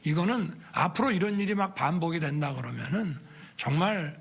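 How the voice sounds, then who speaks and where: A man making formal public remarks in a measured, deliberate way. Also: a little high, lively intonation, creaky, husky.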